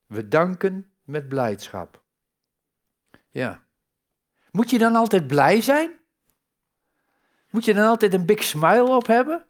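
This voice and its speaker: A man's voice: high voice, slow, long pauses. Man preaching with rhetorical questions. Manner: conversational, rhetorical questions, lively emphasis. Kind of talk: sermon.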